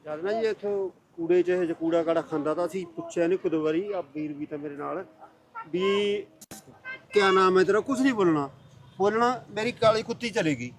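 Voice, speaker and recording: A local man explains outdoors by a roadside how he reported the case. His voice sits high for a man, and he tells it plainly and earnestly. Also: brisk. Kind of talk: explaining on camera.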